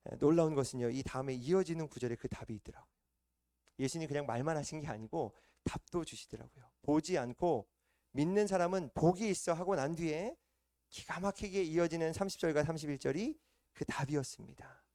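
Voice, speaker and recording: A man preaching a sermon at a church service, emphatic and repetitive, swinging between loud stresses and hushed asides. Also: fairly high pitch, fairly quick, no echo, studio quality.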